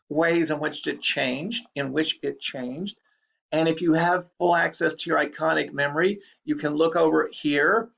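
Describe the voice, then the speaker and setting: Gravelly man lecturing, lo-fi. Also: a little high, fairly bright tone. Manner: chatty, explanatory, repeats key points. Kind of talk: recorded online lecture. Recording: dull lo-fi recording.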